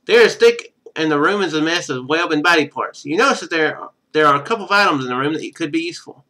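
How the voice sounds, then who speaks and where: A man's voice: fairly high pitch, lively intonation, quick pace, pushed and bright. A man streaming a game, reading its text aloud and thinking through it in casual commentary. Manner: thinks aloud while playing.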